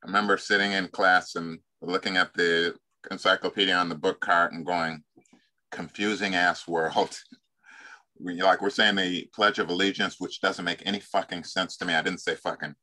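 A man's voice: low voice, fairly even intonation, moderate pace, pushed and bright. An older man hosting a story session on a video call from home, frank and casual, with the odd curse word. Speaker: storyteller and host. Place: home room.

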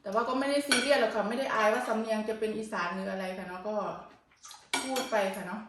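A woman's voice: fairly high pitch, fast, noisy background. A woman from northeastern Thailand with an Isan accent, chatting casually and coaxing her child while cooking and eating at home. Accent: Isan Thai. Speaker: vlogger and mother. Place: home kitchen. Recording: echoey room, distant mic, dish clatter.

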